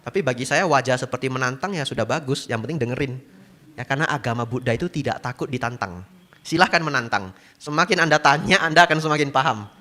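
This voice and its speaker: A man's voice: mid-range voice, fast talker. A man from Medan giving a sermon as a Buddhist monk, telling a story and acting out the voices in it. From Medan, Indonesia. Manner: animated storyteller, acts out quoted voices, laughs often.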